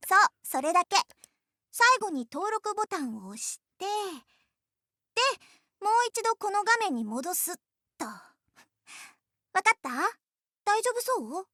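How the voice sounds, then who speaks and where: Very high, bright, easygoing anime schoolgirl. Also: sing-song, brisk, long pauses, no room sound, studio quality, exaggerated voice. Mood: helpful. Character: friendly, easygoing schoolgirl in an anime visual novel. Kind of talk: Japanese visual novel voice acting.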